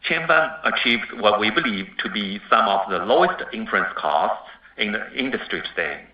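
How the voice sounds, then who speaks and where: A man in the role of a company executive reads scripted earnings call remarks in a formal, measured way. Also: lowish voice. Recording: dull, roomy, distant conference-call audio.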